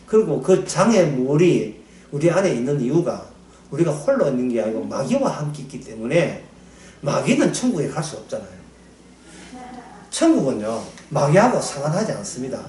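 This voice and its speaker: Animated male Bible teacher, high bright pitch, recorded at a distance in a roomy hall. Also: normal speed, a little hiss or hum. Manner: animated, acts out quotes, laughs often. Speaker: Bible lecturer. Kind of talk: sermon-style Bible lecture. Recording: echoey room, distant mic.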